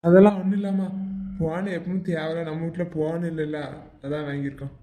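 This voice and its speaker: A man voicing a sheepish village son, quick and high. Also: fairly even intonation, mellow, natural voice. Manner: soothing, placating.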